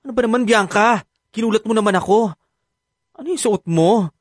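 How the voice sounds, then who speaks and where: A man's voice: sits high, brisk, dry recording. An actor with a Filipino accent playing an exasperated, sassy gay man in an audio romantic comedy.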